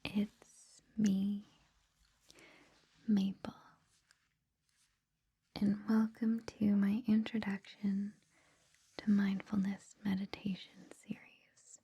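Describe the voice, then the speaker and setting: A woman speaks in a soft, extremely breathy ASMR whisper. Her delivery is slow and even, with little rise or fall. The tone is mellow, gentle and informal, reassuring the listener as a host would. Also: mid-range voice, dull audio. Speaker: ASMR host introducing a meditation series.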